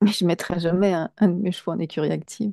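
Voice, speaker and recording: The voice has a dark, mellow tone at a moderate pace. The sound is dry and close with no echo, over a quiet background. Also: woman. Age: 60s. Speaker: equine therapist and trainer. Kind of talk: online seminar discussion. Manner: halting, many hesitations; animated.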